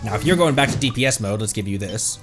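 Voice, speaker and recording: Animated male streamer, casual chat. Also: fairly low pitch, quick pace. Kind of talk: casual game livestream chat. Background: faint music.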